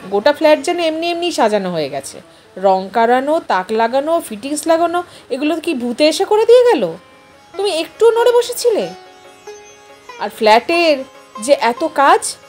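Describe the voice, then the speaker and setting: An irritable middle-aged husband acted out by a woman storyteller grumbles and defends himself with lively swings of pitch. The voice is high for a husband, in audio-story style with music underneath. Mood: sarcastic, defensive. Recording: music behind the voice.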